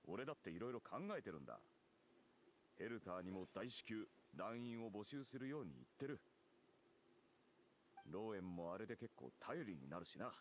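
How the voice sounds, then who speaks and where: Gruff knightly game officer, low, quick and animated, blunt and grumbling, over faint noise. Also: male voice. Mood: grudging, exasperated. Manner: blunt, offhand, rough-spoken. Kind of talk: Japanese video game voice acting.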